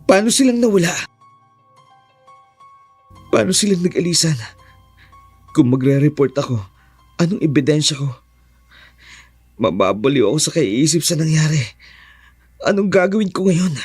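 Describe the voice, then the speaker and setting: A man's voice: on the high side, big pitch swings, normal speed, pauses often, breathy edge, faint music behind, voice pushed up. A man with a Filipino accent voicing a brave young male student who confronts aswang in a horror story. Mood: worried. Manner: tense, urgent, shouting.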